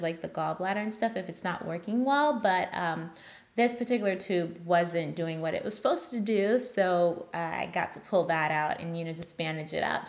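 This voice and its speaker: A young woman from Trinidad with a Trinidadian accent, telling a story straight to camera in a small room, animated and full of ums and likes. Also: lowish voice. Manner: animated, gestures a lot, many ums and likes. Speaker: physician assistant vlogger. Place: small indoor room, plain grey backdrop.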